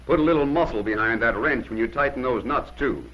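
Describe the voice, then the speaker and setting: A man's voice: mid-range voice, brisk, a bit bright, slight background noise, low-quality recording. A man narrating a 1950s instructional film in an emphatic, plain-spoken way, giving short commands on an old film soundtrack.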